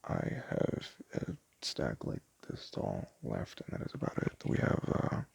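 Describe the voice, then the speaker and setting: A man doing a casual, improvised ASMR shopkeeper roleplay, soft-spoken and hesitant, rambling in a self-deprecating way. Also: unhurried, dry recording. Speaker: ASMR roleplayer playing a small DVD shop owner.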